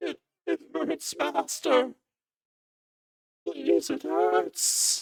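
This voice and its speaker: A raspy, high-pitched put-on character voice moves at a very slow pace with long, frequent pauses. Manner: weepy, sobbing.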